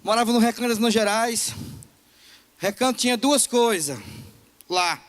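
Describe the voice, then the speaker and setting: A man's voice: very high-pitched, moderate pace. A young man with a Brazilian Portuguese accent, preaching a sermon to a youth service, telling stories with playful humor. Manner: storytelling with playful humor, acts out voices. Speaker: pastor. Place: church hall.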